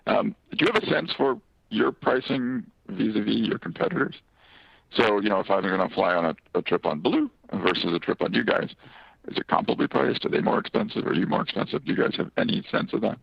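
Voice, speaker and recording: Low, gravelly man asking analyst questions. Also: animated, brisk, no room sound. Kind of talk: informal spoken questioning on an earnings call. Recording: dull lo-fi phone conference audio.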